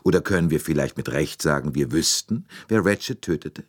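A man's voice: expressive, a little fast. A man voicing a fussy, shrewd older Belgian detective who speaks precisely and probes politely. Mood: probing, ironic. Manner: precise, politely probing, rising pitch.

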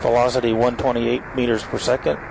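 Gravelly man calling launch status over radio. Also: medium pitch, flat delivery, a little fast. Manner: clipped, matter-of-fact status callouts. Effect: breaking up space radio transmission. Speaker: launch control announcer. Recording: noisy crackling radio relay.

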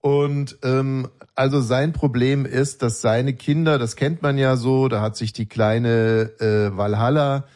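A man's voice: mid-range voice, fairly even intonation, slow pace, hardly any pauses, a little mellow. A middle-aged man co-hosting a casual political chat, speaking hesitantly with many fillers and restarts. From Berlin. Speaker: podcast co-host.

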